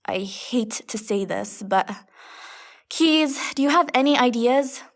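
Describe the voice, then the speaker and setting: A woman's voice: a little high, lively intonation, slow pace. A woman playing a practical, wry young female adventurer in an audio comedy drama. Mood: exasperated. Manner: wry, no-nonsense. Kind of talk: audio fiction comedy acting.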